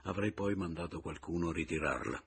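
A man reading a literary novel aloud as an audiobook narrator, in a measured, reflective first-person voice. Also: low voice, husky.

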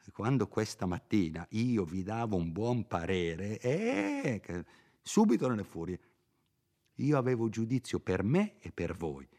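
A man's voice: fairly low pitch, big pitch swings, a little slow, dark tone, full character voice. A man reading aloud and voicing a timid, fussy old country priest who pleads and scolds. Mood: scolding. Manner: fearful, whispery pleading turning to scolding.

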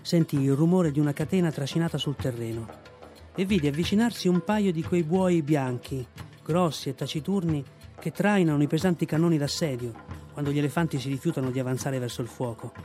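A man reading a classic novel aloud in measured, clear storytelling narration, recorded in a radio studio. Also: fairly high pitch, warm tone. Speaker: reader. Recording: dry studio radio recording with faint music.

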